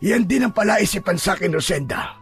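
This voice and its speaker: A man playing a gentle, remorseful old grandfather in an audio drama, earnest and soothing, with a gravelly, husky voice. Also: high voice, expressive, a little fast, soft background music, heavily acted. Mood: concerned, soothing. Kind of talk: Filipino audio drama acting.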